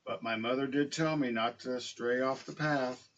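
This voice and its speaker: A man's voice: mid-range voice, steady tone, normal speed, fairly bright tone, recorded from a distance, muffled recording, close to an everyday voice. A man voicing a cheerful, polite little girl in a red hood for a read-aloud story. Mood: eager.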